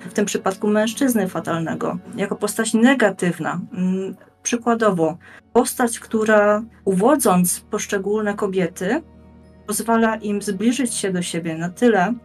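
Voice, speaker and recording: A young woman speaks in a mid-pitched voice with music behind her. She lays out her points in a measured, articulate way, with fairly formal wording, like a prepared guest on a discussion podcast. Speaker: guest panelist on a role-playing games show. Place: indoors, plain room, video call.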